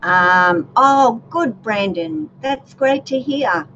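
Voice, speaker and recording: A woman with a soothing voice, hosting a relaxed livestream chat with her viewers, gentle and chatty with many fillers. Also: fairly high pitch, slow. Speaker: YouTube channel host. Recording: dull lo-fi livestream audio with faint noise.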